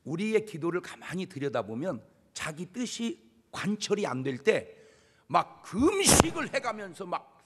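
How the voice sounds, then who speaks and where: A male pastor delivers an animated sermon and acts out the prayers he describes. His voice sits high and swings widely in pitch. It is slightly husky, and a long church reverb follows every phrase. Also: unhurried. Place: church sanctuary.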